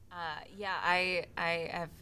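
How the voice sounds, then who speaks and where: A woman's voice: on the low side, little pitch movement, slow pace, sharp tone, smooth. A woman talking casually and a little hesitantly as a guest over a video call, her audio wobbling and warbling. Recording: distant, garbled call line.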